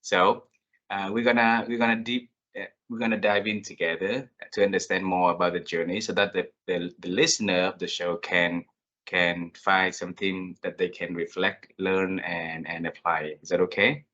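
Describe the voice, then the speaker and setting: A man hosting an interview, effusive and courteous, with halting, repeated phrasing. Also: deep voice, flat delivery, sharp tone, highs cut off. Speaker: podcast host.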